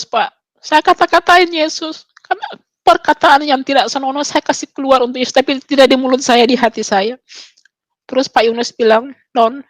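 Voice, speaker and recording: A young adult woman telling her personal conversion testimony, her voice climbing high and intense when she relives key moments. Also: dry recording. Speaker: testimony speaker.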